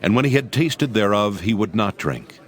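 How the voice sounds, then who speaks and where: A man's voice: on the low side, animated, moderate pace, crowd noise. A man narrating scripture as a dramatized reading.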